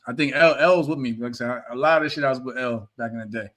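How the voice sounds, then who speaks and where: A man's voice: medium pitch, quick pace. A man in his thirties co-hosting a podcast, telling stories with lots of animation and laughter in a casual chat. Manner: animated storyteller, laughs often. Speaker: podcast co-host.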